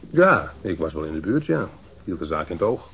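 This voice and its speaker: An actor playing a defensive, rough-mouthed street robber under police questioning in a radio crime drama, slangy and halting. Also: male voice, low-pitched, sing-song, fairly bright tone, exaggerated voice. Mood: grudging, wary. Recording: dull lo-fi radio drama recording.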